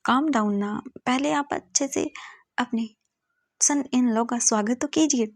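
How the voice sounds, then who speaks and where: A woman's voice: a little high, unhurried, dry recording, clean studio sound, pitched above the performer's own voice. Woman putting on a wheedling teasing young groom. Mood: pleading. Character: playful teasing young man, new groom.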